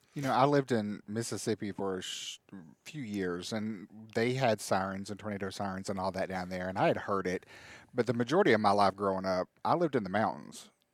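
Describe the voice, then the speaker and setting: An unremarkable speaking voice belongs to this man, fairly low in pitch with an American accent and ordinary pitch variation. He talks at a fairly quick pace on a very clean recording with a silent background and a dry, close sound with no echo. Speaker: podcast producer. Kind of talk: casual chat.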